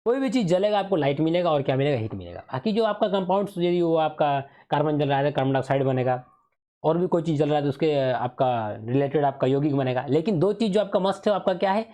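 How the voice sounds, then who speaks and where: A man's voice: on the high side, lively intonation, fast talker, warm tone. A male teacher giving an exam revision lesson in speech, who keeps asking questions and answering them himself, repeating the key terms.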